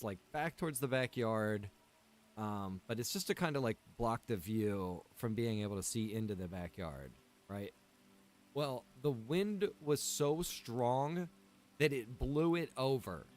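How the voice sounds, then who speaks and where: A man livestreaming from a room at home, chatting casually with his viewers in a rambling way full of "like" and "man". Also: mid-range voice. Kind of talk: casual chat with stream viewers.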